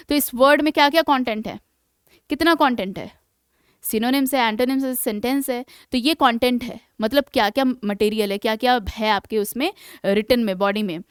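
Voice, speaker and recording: A woman teaching English vocabulary for exam preparation, explaining in Hindi and reading English example sentences slowly and deliberately, often checking in with her students. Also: fairly high pitch, clear, resonant tone, no echo. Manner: keeps checking in with "है ना". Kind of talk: exam-prep vocabulary lesson.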